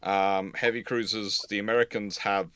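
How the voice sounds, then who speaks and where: A man with a fairly low, bright voice hosts a live question-and-answer stream. His delivery is casual and halting, doubling back on phrases, and the sound is dry and close. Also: flat delivery, clean tone, no room sound. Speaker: host of a naval history livestream.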